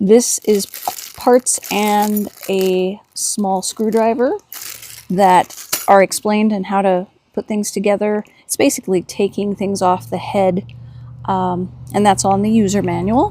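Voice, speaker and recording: This woman has an unremarkable speaking voice, medium in pitch, with fairly even intonation and a fairly slow pace. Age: 50s. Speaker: product reviewer. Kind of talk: casual product review talk to camera.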